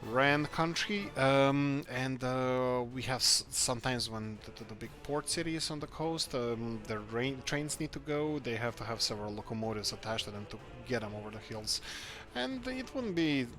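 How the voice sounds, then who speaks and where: A man's voice: medium pitch, lively intonation, moderate pace. A man from Croatia, hosting a let's-play game video and thinking aloud as he builds, often searching for words. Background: background music.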